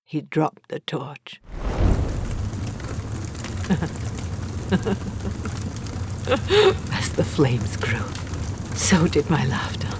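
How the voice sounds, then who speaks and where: Slow, vengeful condemned witch. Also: low-pitched, noisy background. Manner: slow, theatrical, brooding storytelling. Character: condemned witch, vengeful woman gloating as she burns. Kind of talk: dramatic horror audio-drama monologue.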